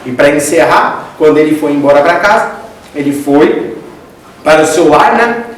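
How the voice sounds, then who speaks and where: A man's voice: a little high, lively intonation, moderate pace. A man with a Brazilian accent giving a conversational spiritist lecture, often addressing the audience directly as "gente". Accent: Brazilian Portuguese. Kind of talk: religious lecture. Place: lecture hall. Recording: echoey hall, distant mic.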